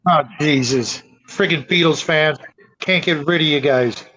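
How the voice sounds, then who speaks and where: High-voiced man hosting, slightly muffled. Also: unhurried, a bit bright. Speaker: host of a tabletop gaming discussion show. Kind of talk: casual panel discussion.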